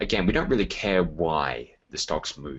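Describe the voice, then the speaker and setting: A man with a very deep, low pitch, vocal fry and a slight Australian accent speaks with ordinary pitch variation. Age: 30s. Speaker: stock trader and trading educator. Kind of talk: webinar presentation. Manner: conversational, many fillers.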